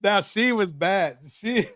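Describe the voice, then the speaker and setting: A man's voice: high-pitched, lively intonation, slow pace, fairly bright tone, dry recording, studio quality. A man hosting a reaction show, commenting casually and repeating himself for emphasis, often with a chuckle.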